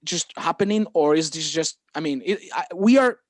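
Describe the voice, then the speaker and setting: Excited Galician man, halting restarts. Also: on the high side, no room sound, clean studio sound. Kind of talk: casual podcast chat.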